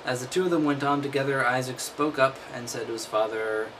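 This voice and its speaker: A man's voice: medium pitch, fairly quick, a bit bright, a little hiss or hum, rough recording. A man reading aloud and breaking off into wry, mocking commentary. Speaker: host.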